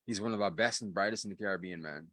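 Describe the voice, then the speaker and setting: A man's voice: sits low, quick pace, fairly bright tone, dry recording. A man co-hosting a live podcast, chatting casually, laughing often and repeating "okay, okay.". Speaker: podcast co-host.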